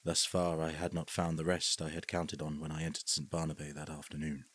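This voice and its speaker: A man reading a horror story aloud as scripted narration, measured and sometimes sinking to a hush. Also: extremely low pitch, completely flat delivery, slightly rough. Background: faint music.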